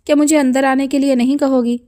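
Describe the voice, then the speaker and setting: A woman's voice: high-pitched, level tone, dark tone, close to an everyday voice. A woman reading a tearful pleading daughter. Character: grieving middle-aged woman begging her father's forgiveness.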